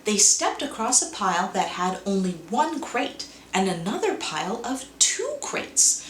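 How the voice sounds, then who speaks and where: A woman in an animated, playful read-along style, speaking expressively to young children in a roomy home recording. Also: mid-range voice, measured pace, slight background noise. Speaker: children's show co-creator reading a picture book aloud.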